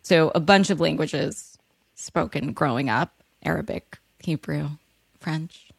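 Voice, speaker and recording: Woman in her 30s, from California, podcast guest, frank and chatty, low-pitched, dry close sound. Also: vocal fry, slightly rough, dry recording. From California, USA. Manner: frank, quick, laughs often, many "like"s. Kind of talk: candid interview talk.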